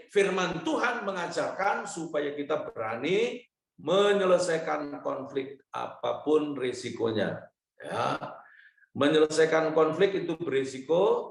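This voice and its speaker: An older man preaching a sermon as pastor, telling stories in a lively way, quoting dialogue and chuckling often. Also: a little high, creaky. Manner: animated storytelling with quoted dialogue and chuckles. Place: church or online service hall. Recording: echoey room.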